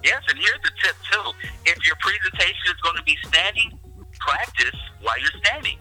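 A man with a lively, animated voice co-hosts a podcast. His tone is very bright and cutting, and he gives tips in an emphatic way. Faint music sits in the background. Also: high-pitched, moderate pace, husky, poor audio. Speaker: podcast co-host. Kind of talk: casual podcast chat.

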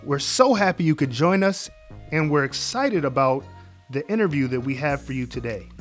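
Earnest male podcast host, higher voice. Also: normal speed, faint music behind. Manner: earnest, encouraging, gives advice. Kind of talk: casual podcast chat and interviewing.

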